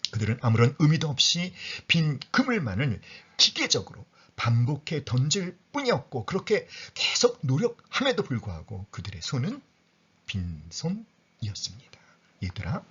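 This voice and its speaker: Pastor, male, husky voice that rises and falls widely; sermon with rhetorical questions and sudden whispers, dull lo-fi recording. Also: on the high side, a bit bright.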